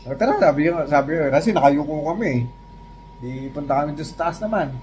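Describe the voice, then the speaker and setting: A man's voice: on the high side, brisk, darkish tone, slight background noise, poor audio. Easygoing Filipino man chatting. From Philippines. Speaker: vlogger. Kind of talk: casual chat.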